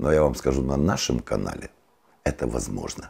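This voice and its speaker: Against a quiet background, a man talks at a moderate pace in a dark, mellow tone with vocal fry. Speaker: joke-telling channel host. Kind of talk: storytelling jokes to camera.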